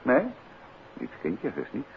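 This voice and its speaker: An actor playing an unruffled, evasive gentleman detective and teasing husband, dryly ironic, in a 1950s Dutch radio drama. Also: lowish voice, wildly swooping pitch, takes it slowly, gravelly, full character voice. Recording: muffled, noisy 1950s radio recording.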